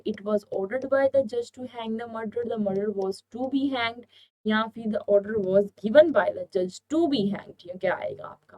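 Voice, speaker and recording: A young Indian woman teaching English grammar online. She quizzes her students with questions, answers them herself, and reads the English example sentences out slowly. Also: on the high side, darkish tone, rough recording. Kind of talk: online exam-prep lesson.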